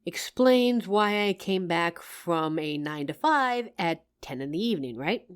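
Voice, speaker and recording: A woman's voice: on the low side, measured pace, clear, resonant tone. Woman playing a loving tired wife home from work, teasing and affectionate, talking right to you, voice goes up and down a lot. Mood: exasperated. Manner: affectionate, playful, expressive. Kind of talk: intimate roleplay audio addressed to listener.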